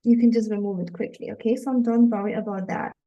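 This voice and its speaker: A woman's voice: mid-range voice, fairly even intonation, fast talker, dark tone, highs cut off. A woman from Germany, a dating coach, speaking to viewers in an earnest, encouraging live webinar talk.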